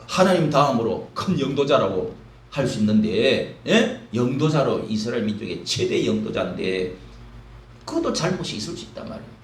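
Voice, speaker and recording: A male pastor giving an early-morning sermon in a lively, animated way, acting out quoted lines. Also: a little high. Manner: animated preaching with dramatized quotes. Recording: roomy echo from a distant mic, faint noise.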